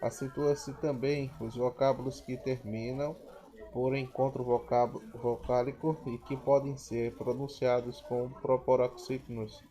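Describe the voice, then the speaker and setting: Slow, flat-voiced man reading a grammar lesson. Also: medium pitch, low-quality recording. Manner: slow, careful reading of word lists with self-corrections. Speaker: teacher.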